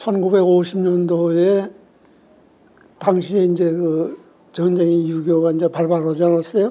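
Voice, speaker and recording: Pausing long and often, a man speaks in a high pitch. His intonation stays monotone and flat. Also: very even loudness. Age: 80s+. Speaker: war veteran. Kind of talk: interview answer.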